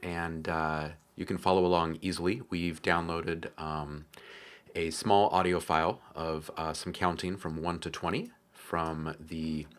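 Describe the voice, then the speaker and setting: A man hosting a casual software tutorial, explaining things informally with frequent hesitations. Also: extremely low pitch. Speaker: tutorial host.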